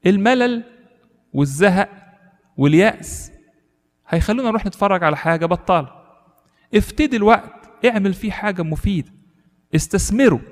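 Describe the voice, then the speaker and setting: A man's voice: a little high, in a large hall. A man with an Egyptian accent preaching a sermon to a congregation, emphatic and exhorting. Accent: Egyptian Arabic. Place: church.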